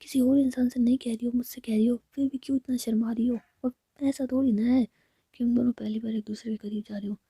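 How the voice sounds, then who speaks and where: A woman's voice: a little high, steady tone, quick pace, warm tone, husky, no room sound. Woman whispering as a teasing young woman. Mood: pleading.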